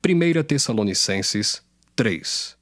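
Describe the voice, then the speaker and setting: A man's voice: on the low side, expressive, takes it slowly, a bit bright, dry recording. A man with a Brazilian accent giving a scripted, solemn and declamatory reading of scripture as an audio Bible. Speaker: scripture reader. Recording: music under the voice. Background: background music.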